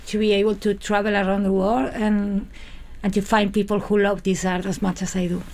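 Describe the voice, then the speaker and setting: A woman's voice: medium pitch, little pitch movement, a little fast, a little mellow, a little hiss or hum. A woman from Madrid with a Spanish accent, a flamenco dancer chatting in an interview and sometimes searching for English words. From Spain, Madrid. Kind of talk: casual interview chat.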